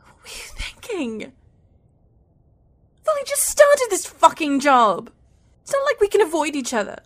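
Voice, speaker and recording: Actress as high-voiced, sardonic woman lover. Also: slow, exaggerated voice. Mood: outraged, sardonic. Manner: expressive, sardonic, swearing. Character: sharp-tongued, foul-mouthed woman lover, wry then furious. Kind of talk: audio drama acting.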